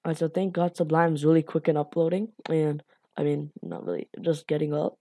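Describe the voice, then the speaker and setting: A woman walks through a coding tutorial in a low, mellow voice, rambling with fillers and apologizing for her slips. Her voice sounds a little raspy from the late hour. The recording is close and dry. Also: fairly quick, no room sound. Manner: rambling, self-deprecating, lots of fillers and apologies. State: a bit raspy from being up late.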